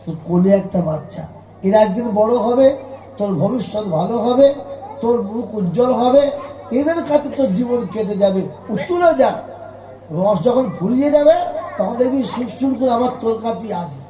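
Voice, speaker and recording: A man preaching, voicing a poor, gentle older father who softly coaxes his daughter. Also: very high-pitched, animated, normal speed, reverberant. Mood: pleading.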